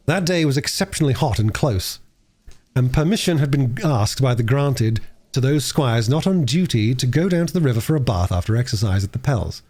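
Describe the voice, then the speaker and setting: A man's voice: medium pitch, a little mellow. A man reading a classic novel aloud expressively, as an audiobook narrator. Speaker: audiobook reader and livestreamer.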